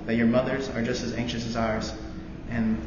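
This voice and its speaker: A young American man, a student veteran, reading a novel passage aloud in earnest, after a halting introduction. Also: medium pitch. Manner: halting intro with many fillers, then steady earnest reading. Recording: roomy echoey hall, dull lo-fi sound, noisy.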